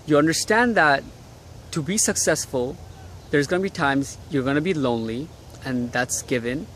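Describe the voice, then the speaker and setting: Vlogging outdoors in cold city air, a young man from Bangladesh offers casual motivational advice, blunt and freely profane. His voice is a little high and fairly bright at a normal speed, and the audio carries a slight hiss or hum.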